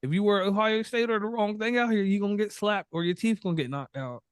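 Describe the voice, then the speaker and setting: A man hosting a podcast, talking in animated, rapid back-and-forth banter. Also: high-pitched, smooth, dry recording, clean studio sound. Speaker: podcast host. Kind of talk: casual podcast chat.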